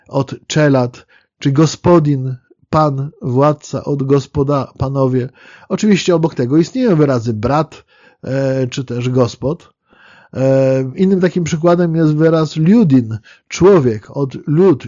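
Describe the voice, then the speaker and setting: A man giving a spoken history lecture in a measured, explanatory way, pausing on fillers and correcting himself as he goes. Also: fairly high pitch, mellow, no room sound, highs cut off.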